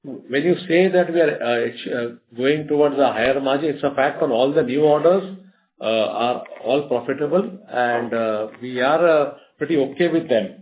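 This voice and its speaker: A man's voice: medium pitch, moderate pace, slight background noise. A man with an Indian accent speaks as a company executive on an earnings call. His delivery is unscripted and explanatory, with repeated phrases. The sound is a narrow, muffled conference phone line. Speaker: company executive answering investor questions.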